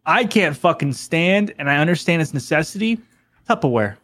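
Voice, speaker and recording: A man's voice: fairly high pitch, lively intonation, moderate pace, a bit bright. A man co-hosting a podcast, ranting comically with lots of swearing in casual chat. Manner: profane comic rant. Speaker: podcast co-host.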